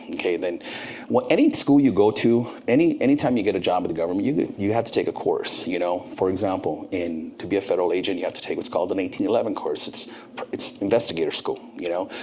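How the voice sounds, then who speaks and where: Deep-voiced man telling his story. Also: breathy edge. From Southern California. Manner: earnest, animated storyteller. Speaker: guest. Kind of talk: casual interview storytelling.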